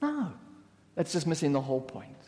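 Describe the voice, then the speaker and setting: A man preaching with lots of energy and humor, his voice sitting high and swinging widely in pitch. He hammers points home by repeating them. The sound carries a long church-hall reverb. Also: moderate pace. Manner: animated, repeats key phrases for emphasis; playful asides and mock voices. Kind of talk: sermon.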